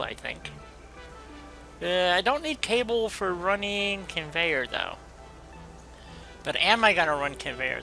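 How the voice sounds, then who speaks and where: A man streams a game and talks loosely to a viewer in a folksy, meandering way. His voice sits high and sounds very bright and forward, with faint music playing underneath. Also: vocal fry, poor audio. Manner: rambling, folksy, full of "you know". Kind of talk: casual gameplay commentary chatting with a viewer.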